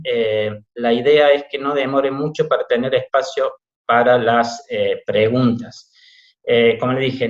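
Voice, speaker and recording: Cordobés doctor guy, middle-aged, lots of "eh"s, echoey muffled call. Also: mid-range voice. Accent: Cordobés Argentine Spanish. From Córdoba, Argentina. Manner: warm, hesitant with many fillers. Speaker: guest speaker, doctor. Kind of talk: talk for a video presentation. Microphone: video call. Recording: echoey, dull video call audio.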